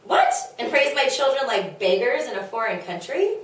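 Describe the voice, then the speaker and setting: Echoey, higher-voiced exasperated wife, acted by a woman. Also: big pitch swings, normal speed. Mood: aggrieved. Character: exasperated, henpecking young-to-middle-aged wife of Socrates, insecure. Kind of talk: comedic play table read. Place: echoey room, away from mic. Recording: very echoey room, distant mic.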